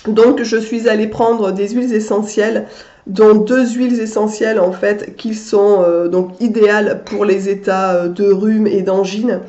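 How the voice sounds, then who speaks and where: A woman's voice: medium pitch, steady tone, measured pace, mellow. A woman vlogger with a stuffy nose from a cold, chatting casually to camera, with many fillers and restarts. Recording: echoey room, dull lo-fi sound.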